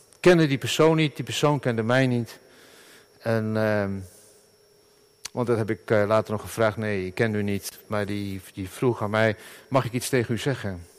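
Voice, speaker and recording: A middle-aged man, a pastor, preaching a sermon in an earnest, halting way with many fillers and restarts. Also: mid-range voice.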